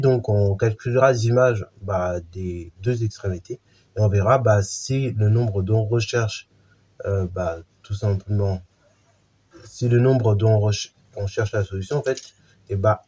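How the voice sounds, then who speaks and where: A man's voice: fairly low pitch, moderate pace, a little mellow, highs cut off. A man teaching a math lesson in an informal way, with many fillers and restarts while he explains a theorem.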